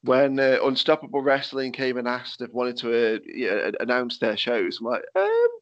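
A man's voice: medium pitch, sing-song, moderate pace, no room sound. A man with a slight lisp hosting a podcast, asking rambling questions full of fillers. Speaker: podcast host. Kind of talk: casual chat. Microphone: remote call. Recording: dull lo-fi call audio.

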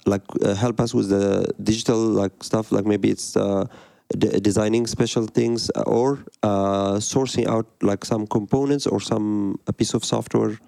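A man from Egypt in his thirties talks through interview answers with a gravelly, fry-edged voice and a dark, mellow tone. He speaks hesitantly, full of fillers and restarts, and the recording is dry and close. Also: lowish voice, steady tone, measured pace, no room sound. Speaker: guest, design studio director.

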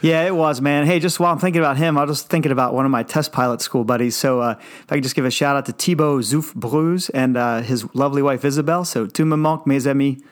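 A man's voice: mid-range voice, fast, few pauses. A man co-hosting a podcast, chatting casually and enthusiastically. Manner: enthusiastic, laughing. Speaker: podcast co-host.

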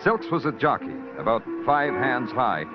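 An actor playing a world-weary, hard-boiled detective who narrates in wry, poetic lines, in a 1940s radio drama. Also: male voice, medium pitch, sing-song, normal speed, close to an everyday voice. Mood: brooding, wry. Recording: dull lo-fi 1940s radio recording with music.

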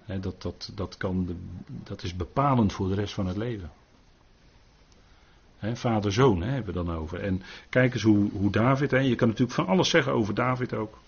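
Older guy doing a bible study, kinda husky and low, keeps restarting and tagging questions. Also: normal speed, dull audio. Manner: earnest, tag questions and restarts. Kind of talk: informal Bible study teaching.

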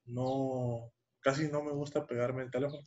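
A man's voice: mid-range voice, little pitch movement, moderate pace, darkish tone. A young man tells a personal story on a podcast, rambling with restarts and fillers. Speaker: podcast co-host. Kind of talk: casual storytelling. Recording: dull lo-fi sound.

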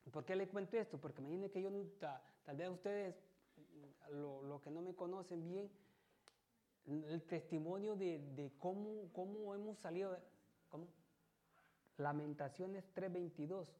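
Lay preacher, male; relaxed, warm tone, keeps asking the congregation if they follow. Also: sits high. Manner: conversational, constantly checks with listeners. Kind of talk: church sermon.

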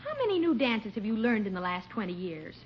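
An actress playing a playful, teasing young niece who gently ribs her uncle in a 1950 radio comedy. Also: medium pitch, big pitch swings, a little fast, natural voice. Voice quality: teasing, with light laughter. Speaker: supporting character in a radio sitcom. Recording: scratchy dull old radio broadcast recording.

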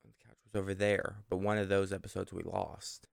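A man's voice: deep voice, little pitch movement, fairly quick, vocal fry, no echo, clean studio sound. A man co-hosting a podcast, telling stories in a casual, informal, mildly profane way. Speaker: podcast co-host. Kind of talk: casual podcast chat and storytelling.

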